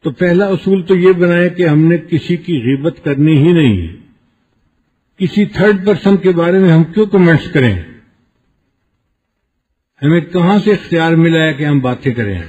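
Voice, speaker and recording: A man preaching a sermon in a husky, slightly raised voice, teaching through everyday examples and little acted quotes. The recording is dull and lo-fi. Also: fairly high pitch, animated, pauses often, darkish tone. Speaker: Islamic preacher.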